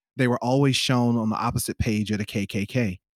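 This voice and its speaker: A man with a Southern US accent talks at a fairly quick pace, with ordinary pitch variation. The recording is very clean, with a silent background and a dry, close sound with no echo. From US South. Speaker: podcast co-host. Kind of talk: casual chat.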